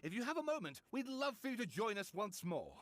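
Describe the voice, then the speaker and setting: High-voiced, courteous scholar. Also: male voice, sing-song, a little fast. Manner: formal, courteous. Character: polite, scholarly male researcher. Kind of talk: video game voice acting.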